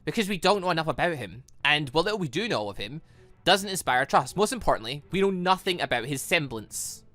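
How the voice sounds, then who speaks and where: A man's voice: fairly high pitch, sing-song, brisk, bright, forceful tone, no echo, faint music behind. A man reading the part of a protective, exasperated friend from a visual novel, scolding and insistent. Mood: worried, insistent.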